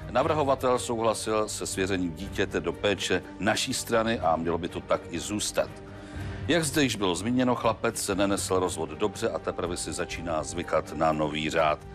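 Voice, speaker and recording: A man playing a composed, deep-voiced lawyer. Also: natural voice. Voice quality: formal, measured pleading. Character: formal male lawyer, composed. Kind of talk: courtroom TV show acting.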